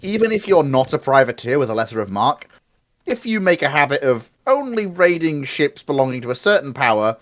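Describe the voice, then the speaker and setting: A man's voice: a little high, fairly bright tone. A man on a discussion panel, chatting casually and explaining history.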